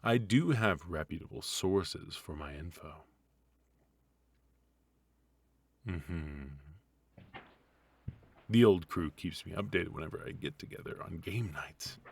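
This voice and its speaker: A man's voice: low voice, expressive, unhurried, breathy edge, exaggerated voice. A man playing a retired supervillain husband in a comedic ASMR roleplay, teasing and doting with a theatrical, conversational delivery. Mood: smug, chatty.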